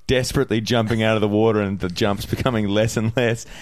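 A man's voice: lowish voice, steady tone, fast, slight background noise. A man appearing as a guest comedian on a podcast, wry and joking in casual chat.

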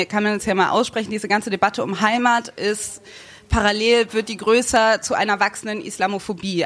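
A young woman raised bilingual in Germany, chatting casually as co-host and searching for her words with many fillers and restarts. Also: mid-range voice. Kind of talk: casual chat.

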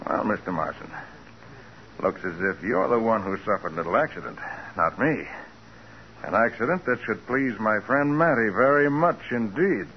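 An actor playing a cool, tough private detective, wry and composed, in a 1940s radio crime drama. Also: male voice, fairly low pitch, expressive, moderate pace, close to an everyday voice. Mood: wry satisfaction. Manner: wry, composed, matter-of-fact. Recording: muffled, hissy 1940s radio recording.

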